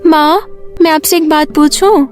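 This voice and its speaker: A stubborn, affectionate little schoolgirl, voiced by a woman. The pitch is lifted very high and the delivery is childlike and pleading, in storybook cartoon style, with music behind. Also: fairly even intonation, measured pace. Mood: pleading, insistent. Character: stubborn, affectionate young schoolgirl pestering her mother.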